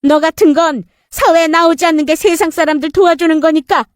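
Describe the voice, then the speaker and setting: A stern mother-in-law and former lawyer, voiced by a woman narrator, scolding in a cutting, measured way. Her voice sits lower than the storyteller's own, recorded close and dry. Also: steady tone, no room sound. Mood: scornful.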